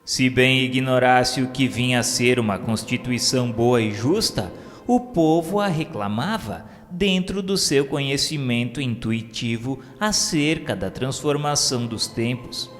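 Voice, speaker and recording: Male narrator, mid-pitched, unhurried and grave, reverberant with a faint music bed. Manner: slow, solemn, measured reading. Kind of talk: scripted spiritist audiobook narration.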